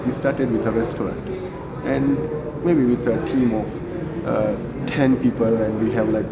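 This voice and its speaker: A man from India, in his forties, answering interview questions as a hotel group general manager, halting with many fillers and restarts. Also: medium pitch, muffled recording. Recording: echoey room with loud ambience.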